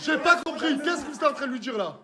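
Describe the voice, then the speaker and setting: High-pitched man, excitable street host, noisy crowd around him. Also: fast, loud music behind the voice. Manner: excitable, laughing, calls for quiet. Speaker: vlogger running a street casting. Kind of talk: lively outdoor vlog hosting. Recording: crowd chatter behind.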